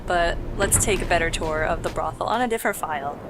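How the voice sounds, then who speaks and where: A woman's voice: fairly low pitch, fast talker, background noise. A woman hosting a Let's Play with casual, wry, joking commentary on the game. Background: game music.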